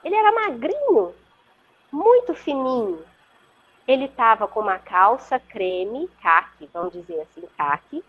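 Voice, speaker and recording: Casting: Brazilian woman, slightly high and airy, storytelling guest, muffled call audio. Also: sing-song, a little slow, breathy edge. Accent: Brazilian Portuguese. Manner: earnest, vivid, checks in with the listener often. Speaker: interview guest. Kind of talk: conversational storytelling. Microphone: video call.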